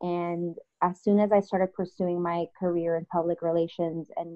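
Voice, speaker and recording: A woman with an American accent speaks in a fairly low pitch. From South Florida. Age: 30s. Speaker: PR agency founder. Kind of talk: casual interview. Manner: animated.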